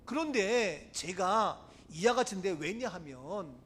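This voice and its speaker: A middle-aged pastor from Gangwon Province gives an animated sermon, moving from hushed asides to loud preaching. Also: male voice, sits high, slow pace, husky. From Gangwon Province, Korea. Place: church sanctuary.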